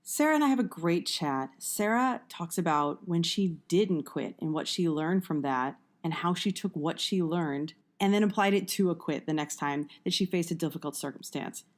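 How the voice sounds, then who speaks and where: A woman hosting an interview podcast, hoarse and strained after losing most of her voice to allergies, chatty and quick to laugh at herself. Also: fairly low pitch. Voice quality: strained, husky. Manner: laughs often, self-deprecating. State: hoarse, nearly lost voice from allergies. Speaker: podcast host. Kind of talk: casual interview chat.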